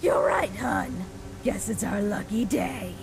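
A woman voicing a menacing female wolf monster in a comic dub, gravelly, with a condescending drawl. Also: medium pitch, slow, background noise. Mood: mocking menace. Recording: music behind the voice.

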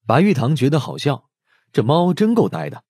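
A man's voice: a little high, very animated, moderate pace, warm tone, husky, no room sound, studio quality. A man narrating a scripted audio drama as a dramatic storyteller. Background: background music.

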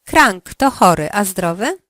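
A woman running a language lesson, giving slow, carefully articulated prompts for the learner to answer. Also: medium pitch, big pitch swings, fairly bright tone, dry recording, clean studio sound. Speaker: language teacher.

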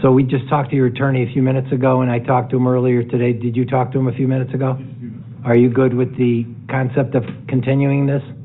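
A man's voice: mid-range voice, completely flat delivery, fast talker. City official guy explaining stuff to the council, chatty, thin tinny audio. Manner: conversational, explanatory, self-correcting. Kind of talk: explaining agenda items at a council meeting. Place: large city council chamber, indoors. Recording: tinny, phone-like sound.

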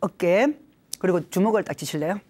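A woman's voice: fairly low pitch, fairly quick. A middle-aged woman with a Gyeongsang accent giving a laughter therapy lecture, leading counting exercises. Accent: Gyeongsang Korean. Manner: animated, leads counting drills with bursts of laughter. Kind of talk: lively lecture with group exercises.

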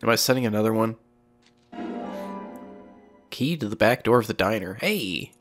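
Casual gamer guy, stuffy and sniffly, rambling chatter with a lowish voice. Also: expressive, normal speed, faint music behind. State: congested with a cold, sniffling. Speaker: gameplay commentator. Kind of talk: casual let's play commentary.

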